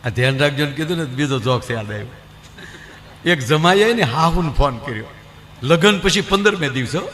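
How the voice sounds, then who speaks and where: A male folk comedian from Gujarat, his voice high and bright. He spins stage stories and slips into the voices of his characters. Faint live-event noise sits under his microphone. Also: normal speed, big-room sound. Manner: animated storyteller acting out voices in the jokes. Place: live stage show before an audience.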